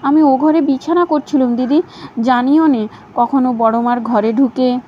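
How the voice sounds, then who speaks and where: A woman's voice: high voice, fairly even intonation, a little slow. A woman voicing a timid household maid who speaks hesitantly, in a slightly dull recording with faint hiss.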